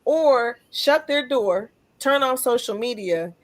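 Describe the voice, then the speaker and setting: A woman's voice: fairly high pitch, animated, slow. Reflective woman hosting a talk podcast. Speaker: podcast host. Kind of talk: conversational interview talk.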